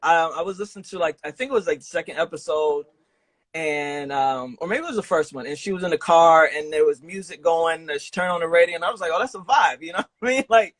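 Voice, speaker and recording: A man's voice: a little high, fast, fairly bright tone, no echo. A man hosting a podcast interview in a casual, slangy, informal way. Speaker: podcast host interviewing a guest. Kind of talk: casual chat.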